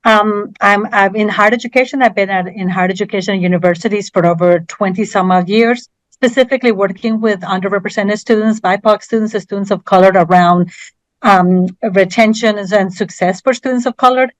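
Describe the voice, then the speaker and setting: A woman's voice: mid-range voice, fairly even intonation, brisk, dry recording. Earnest Colombian-born woman, dry sound. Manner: earnest, repeats words while finding them. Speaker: guest, university diversity educator. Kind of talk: casual panel talk.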